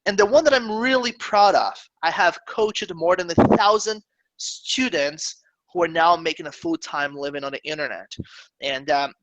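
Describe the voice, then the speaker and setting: Bright-voiced man with a Brazilian accent. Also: fairly high pitch, no room sound, rough recording. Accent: Brazilian Portuguese. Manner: earnest, reassuring, frequent fillers and "okay?" check-ins. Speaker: webinar host. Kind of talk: live webinar presentation.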